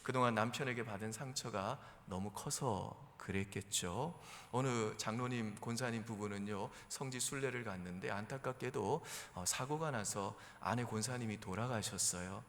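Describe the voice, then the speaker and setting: A man's voice: lowish voice, normal speed, few pauses, fairly bright tone, slight background noise. A man preaching a sermon to his congregation as pastor, in a conversational storytelling manner. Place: church sanctuary. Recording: reverberant church hall.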